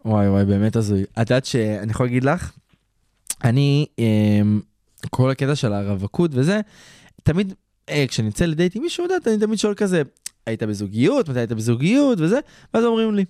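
Young man, expressive storyteller, very lively pitch, dry sound. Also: no room sound. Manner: lively, expressive, acts out quotes in a higher voice. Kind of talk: casual chat.

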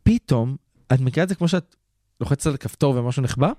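A man's voice: no room sound, clean studio sound. A young man telling a dating story in casual chat, acting out the quotes. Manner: lively, expressive, acts out quotes in a higher voice.

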